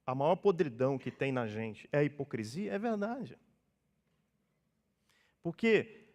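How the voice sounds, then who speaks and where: Brazilian pastor preaching in a reverberant church. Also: male voice, on the high side. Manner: conversational preaching, acts out dialogues in changed voices. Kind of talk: sermon. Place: church hall.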